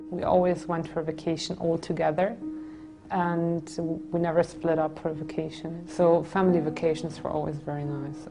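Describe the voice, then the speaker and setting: A woman in her twenties from a Greek family in Germany, calmly recounting her own story in a seated studio interview. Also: sits low. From Greek family, born in Germany. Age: 20s. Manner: reflective, soft, with frequent restarts. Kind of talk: personal testimony interview. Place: indoor studio set with red curtains.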